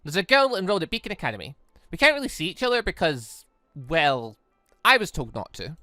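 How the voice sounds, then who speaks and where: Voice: medium pitch, big pitch swings, fairly quick, sharp tone, dry recording, studio quality, soft background music. A gamer reading aloud as a cheerful, earnest robot girl from a visual novel, with chirpy, formal wording. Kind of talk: reading game dialogue aloud.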